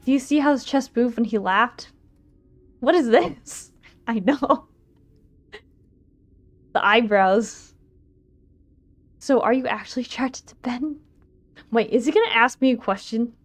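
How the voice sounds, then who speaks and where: Giggly woman streamer over clear background music. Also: fairly high pitch, measured pace, long pauses. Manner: giggly, expressive, stumbles while reading aloud. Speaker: streamer, VTuber. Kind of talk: livestream visual novel read-aloud with chat asides. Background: game music.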